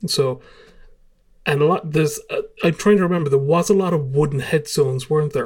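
Somewhat breathy and fairly high in pitch, a man with an Irish accent talks at a fairly quick pace with fairly even intonation and long, frequent pauses. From Ireland. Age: 30s. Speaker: podcast co-host and blogger. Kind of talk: casual chat.

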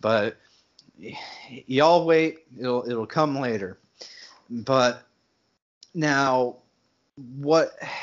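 At a very slow pace, a man with an American accent speaks with big swings in loudness and long, frequent pauses. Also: medium pitch for a man, ordinary pitch variation. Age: 20s. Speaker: podcast host and video editor. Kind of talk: casual interview chat.

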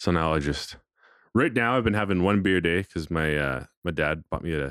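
Vocal fry runs through speech delivered at a very fast pace with a Canadian accent and ordinary pitch variation. The recording is very clean, with a silent background. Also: man. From Canada (Calgary). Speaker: TikTok creator. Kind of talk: casual chat.

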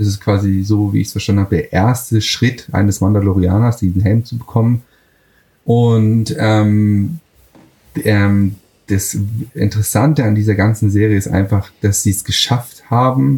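A man's normal speaking voice, fairly low in pitch, at a moderate pace with fairly even intonation. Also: very even loudness. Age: 20s. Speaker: cosplayer. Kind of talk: interview.

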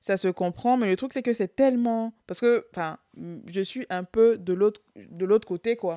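A woman with an ordinary speaking voice talks at a fairly slow pace, fairly high in pitch with ordinary pitch variation. The recording is very clean, dry and close, with a silent background and no echo. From grew up abroad, born in Abidjan, Côte d'Ivoire. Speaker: podcast co-host. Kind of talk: casual chat.

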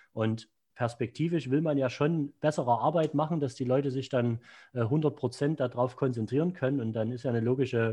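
A dark, mellow, somewhat breathy voice with fairly even intonation over a quiet background. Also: man. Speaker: podcast co-host, basketball coach. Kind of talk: casual interview. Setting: remote call from home desk. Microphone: bad internet connection, dropouts.

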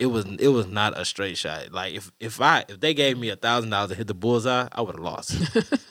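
Moving at a fairly quick pace, an unremarkable speaking voice shows ordinary pitch variation. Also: man, medium pitch for a man. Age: 30s. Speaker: podcast host. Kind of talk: casual chat.

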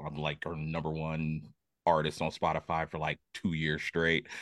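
A man with an Ohio accent speaks in a very deep, low pitch on a very clean recording with a silent background. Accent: Midwestern US (Ohio). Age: 40s. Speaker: hip-hop artist. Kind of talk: casual chat.

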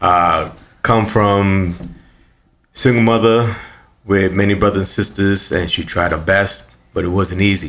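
Fairly slow speech with fairly even intonation and long, frequent pauses comes through with audible room echo. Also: man, fairly low pitch for a man. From New York City. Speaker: war veteran. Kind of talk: interview.

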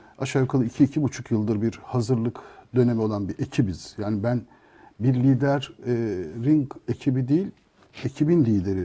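This man's tone is dark and mellow. There is a somewhat breathy quality to his voice. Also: medium pitch for a man, ordinary pitch variation, moderate pace. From Istanbul, Turkey. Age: 50s. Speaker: football club presidential candidate. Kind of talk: TV interview.

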